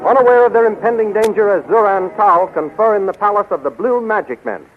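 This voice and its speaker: A man's voice: sits high, fast, faint music behind. A male announcer reading scripted 1930s radio narration in an emphatic, declamatory way. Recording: tinny, faintly noisy 1930s radio recording.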